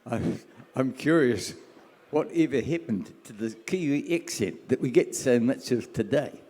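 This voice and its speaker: A man in the audience asking a question at a live panel, phrasing it in a measured, deliberate way. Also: mid-range voice, animated, warm tone. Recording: echoey hall with long reverb.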